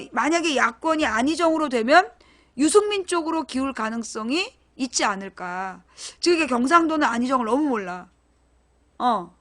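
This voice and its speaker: A woman with a high voice hosts a live-streamed political talk show. She speaks bluntly and casually, pressing her points and calling on her chat viewers to answer. Her delivery is emphatic and direct. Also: a bit bright. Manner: talks directly to chat viewers, asks them questions; blunt and emphatic, informal speech.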